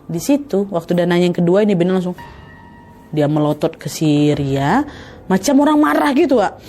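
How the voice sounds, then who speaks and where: A woman telling a horror story in casual, animated chat. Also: lowish voice, slight background noise. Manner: animated, quick shifts into voices. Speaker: guest storyteller.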